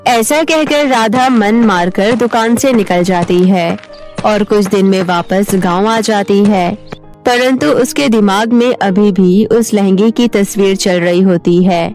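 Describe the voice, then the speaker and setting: A woman narrating an animated children's story in a calm storytelling way. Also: medium pitch, slow pace, faint music behind.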